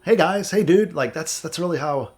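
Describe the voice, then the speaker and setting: A man in his thirties from central Wisconsin, a music producer giving earnest, candid motivational advice to camera, raspy and stuffed up with a cold. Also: fairly high pitch, lively intonation, normal speed, a little mellow. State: sick with a cold, stuffy nose. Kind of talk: vlog advice talk to camera.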